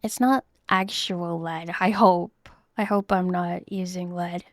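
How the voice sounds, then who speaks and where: A woman in her thirties, chatting casually in a soft, rambling way while she draws on stream. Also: lowish voice, steady tone, slow pace, no echo, studio quality. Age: 30s. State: losing her voice. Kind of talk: casual chat while drawing.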